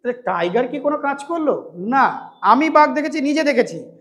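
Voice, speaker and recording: A male English teacher at a coaching centre from West Bengal, giving a classroom lecture on translation. He asks and answers his own questions and slows down to dictate English sentences word by word. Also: extremely high pitch, very animated, a bit bright.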